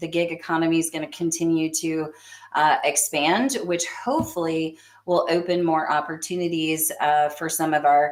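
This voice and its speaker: A woman's normal speaking voice, fairly low in pitch, with fairly even intonation and a moderate pace. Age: 40s. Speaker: recruiter. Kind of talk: casual chat.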